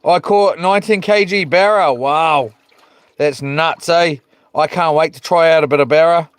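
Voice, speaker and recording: A man's voice: fairly high pitch, moderate pace, smooth, dry recording. A man with a broad New Zealand accent chatting casually and slangily in a laid-back livestream, talking to himself and his viewers from a small boat. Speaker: fishing livestreamer. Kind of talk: casual rambling livestream chat. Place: outdoors on a small boat on the water. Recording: noisy outdoor boat recording, water and clicks.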